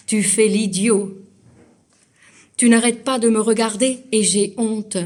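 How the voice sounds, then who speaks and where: A woman reading poetry aloud in a dramatic literary recitation, with measured, deliberate phrasing and pauses. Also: on the high side, darkish tone. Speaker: poetry reader.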